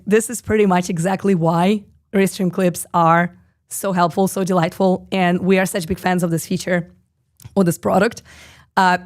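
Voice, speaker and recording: A hoarse woman in her thirties with a husky, slightly low voice hosts a live stream. She talks in a chatty, loose way, reads comments aloud and pads her sentences with fillers. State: hoarse, lost voice. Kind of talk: casual live stream chat.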